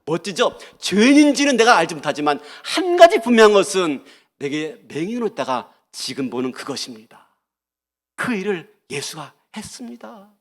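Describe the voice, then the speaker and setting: A male pastor delivers a sermon with a high, lively voice that leaps up and drops low. He fires off rhetorical questions and acts out the people he quotes. The sound carries the long reverb of a church hall. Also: moderate pace. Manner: animated preaching, rhetorical questions, acted-out quotes. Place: church sanctuary.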